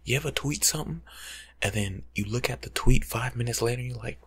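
A young American man doing a casual, slangy ASMR life coach roleplay in a hushed, breathy half-whisper, close to the mic. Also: mid-range voice, fairly quick. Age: young adult. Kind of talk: ASMR roleplay monologue, softly spoken and whispered. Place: small room at home, indoors.

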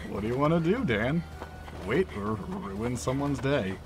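A man's voice: mid-range voice, big pitch swings, unhurried, background noise. A man playing a playful, wry train conductor calling out the last train in an audio drama. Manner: drawling, playful announcer calls.

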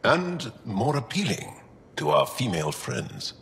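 An actor playing an earnest, proud, gently wry alien warrior in a video game, speaking in a measured, sincere way. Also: male voice, mid-range voice, wildly swooping pitch, vocal fry, slight background noise, exaggerated voice. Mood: warm, wry. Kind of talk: video game cutscene acting.

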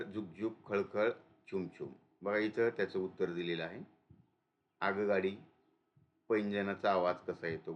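A male teacher explaining a school lesson, often pausing to check in with listeners. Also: low voice, dull audio, slight background noise. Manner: explains and repeats with frequent "है ना" checks.

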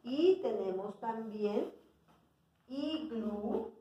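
A woman teaching a preschool class, speaking slowly and clearly and sounding out words for young children. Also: on the high side, warm tone, muffled recording. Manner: patient, sounding out words and checking in with "¿sí?". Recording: roomy sound from away from the mic.

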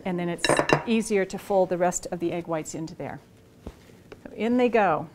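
Her voice is medium in pitch, with a slight background noise behind it. A woman in her sixties, she hosts a cooking demonstration in a spacious home kitchen, relaxed and talkative while her hands stay busy.

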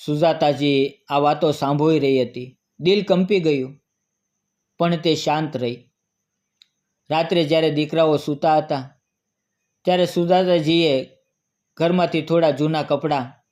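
A man narrating a scripted emotional story in an even, measured storytelling manner. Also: on the high side.

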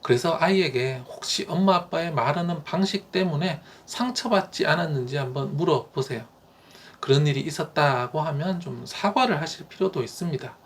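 A man who teaches elementary school gives parents calm, explanatory advice, with frequent "uh" fillers. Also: fairly high pitch, moderate pace.

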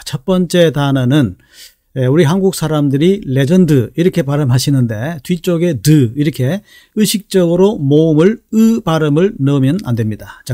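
A middle-aged man teaching English pronunciation in a lesson video, speaking slowly and carefully and repeating each example word. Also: on the high side, mellow, dry recording, studio quality.

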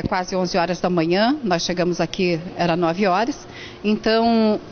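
A woman in her forties hosting a variety show, interviewing a guest at an indoor school fair, chatty and playful, speaking straight to viewers. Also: mid-range voice. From Brazil. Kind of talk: on-camera event interview. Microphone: handheld mic. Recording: lo-fi with faint background noise.

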